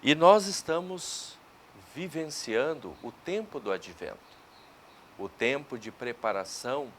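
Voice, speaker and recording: A man with a Brazilian Portuguese accent, a priest reading the gospel and giving a homily in a slow, measured liturgical way. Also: mid-range voice, fairly bright tone, a little hiss or hum.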